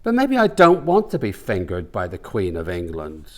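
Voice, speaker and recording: An indignant, humiliated gay man from a comic audiobook, acted out by a male reader. He is sarcastic and melodramatic, with pitch leaping and dropping as he complains. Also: wildly swooping pitch, normal speed. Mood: sarcastic outrage.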